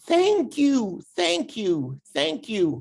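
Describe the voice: This put-on character voice sits at a fairly high pitch and swings very widely up and down.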